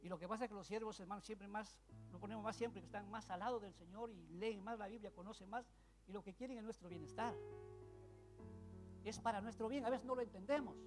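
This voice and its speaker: A man preaching a sermon, telling a story with loud bursts and then dropping to hushed asides. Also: high-pitched, a little fast, music in the background.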